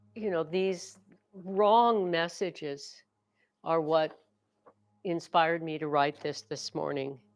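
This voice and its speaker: With music in the background, a woman speaks very slowly at a fairly low pitch. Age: 70s. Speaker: artist and author. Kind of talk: live art stream talk. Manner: halting.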